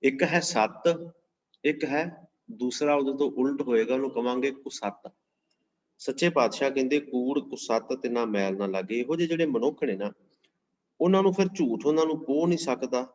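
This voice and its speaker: Punjabi man slowly reciting, then explaining scripture. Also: mid-range voice, a little mellow. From Punjab, India. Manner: recites each verse slowly, then explains it in conversational speech. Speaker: Sikh scripture teacher. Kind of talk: online scripture class, line-by-line explanation. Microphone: computer mic during a screen-shared class. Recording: slightly dull lo-fi sound.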